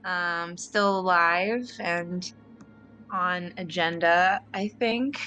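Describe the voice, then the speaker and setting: A woman's voice: lowish voice, steady tone, extremely slow, pushed and bright, soft background music. A woman speaking casually as a player in a tabletop game. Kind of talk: casual introduction. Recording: faint background noise. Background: faint noise.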